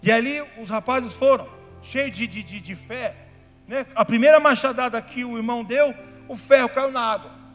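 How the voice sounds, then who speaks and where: A Brazilian man, a pastor, preaching a sermon, telling stories in a chatty way that builds to fervent shouting. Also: extremely high pitch, moderate pace. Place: church hall. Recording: reverberant church hall, faint music behind.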